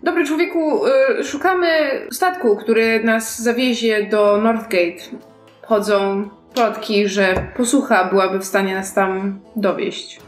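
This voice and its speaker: A woman's voice: mid-range voice, steady tone, a little slow. A woman playing in a tabletop role-playing game, improvising dialogue in character. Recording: roomy sound with faint music.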